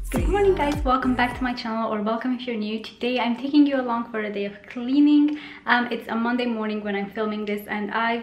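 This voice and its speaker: Over faint music in the background and audible room echo, a woman talks at a very fast pace with hardly any pauses and ordinary pitch variation. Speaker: home vlogger. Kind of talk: casual vlog chat. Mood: cheerful, friendly. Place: home room. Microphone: phone near.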